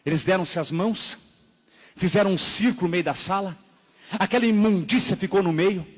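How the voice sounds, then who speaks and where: At a church service, a man delivers a dramatic religious testimony, swinging between loud exclamations and hushed storytelling. His voice sits high and his pace is moderate, with the church hall adding an echoey reverb.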